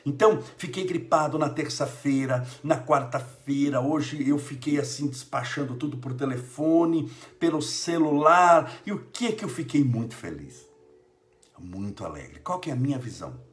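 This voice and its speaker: A man's voice: on the high side, animated, normal speed. A Brazilian man with a cold gives an informal live spiritual talk as host, preaching and repeating phrases for emphasis. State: sick with a cold. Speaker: religious livestream host.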